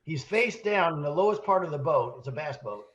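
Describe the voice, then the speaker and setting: A man co-hosting a casual podcast, hoarse from a cold, telling a rambling, animated story with many restarts. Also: on the high side, brisk, highs cut off. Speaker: podcast co-host, sales manager.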